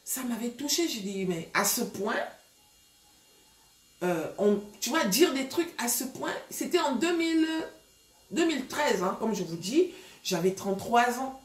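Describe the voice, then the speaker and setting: A woman's voice: a little high, expressive, measured pace. A woman in her thirties from Gabon, casually telling a story to her viewers with lots of fillers. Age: 30s. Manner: chatty, many fillers, addresses viewers directly. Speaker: vlogger giving relationship advice. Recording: echoey room.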